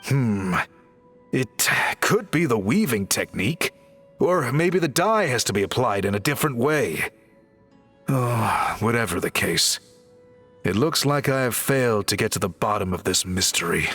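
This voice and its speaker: A man playing an earnest, courteous tribal craftsman and reformer in a video game, speaking in polite, measured, articulate phrases. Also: medium pitch, animated, a bit bright, husky, full character voice. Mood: regretful, apologetic. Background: background music.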